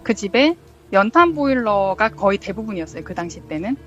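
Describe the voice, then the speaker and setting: A woman's voice: medium pitch, big pitch swings, brisk. Woman telling a ghost story, dull lo-fi sound. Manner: chatty, many fillers, acts out quotes. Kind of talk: casual storytelling interview. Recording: dull lo-fi sound with faint music.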